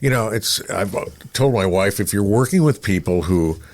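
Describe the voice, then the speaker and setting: A man's voice: lowish voice, animated, moderate pace, a little mellow. A mature man, a veteran radio personality and podcast guest, casually telling anecdotes and acting out his own lines. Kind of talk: casual conversational storytelling.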